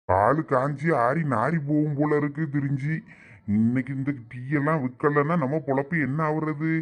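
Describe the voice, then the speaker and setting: A village tea seller grumbles slowly and quietly about his unsold tea, as a man acts him out, then calls out to customers. The delivery is comic and down to earth. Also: on the high side, close to an everyday voice. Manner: grumbling, hawking.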